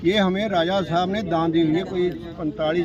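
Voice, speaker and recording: With noticeable background noise and audible room echo, a man speaks at a moderate pace in a high pitch. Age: 70s. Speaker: local resident. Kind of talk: on-the-spot interview statement.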